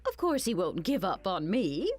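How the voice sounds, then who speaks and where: A woman voicing a cruel, greedy older mother-in-law who mocks and insults in an animated story. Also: medium pitch, moderate pace. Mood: sneering. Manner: sneering, insulting, mocking.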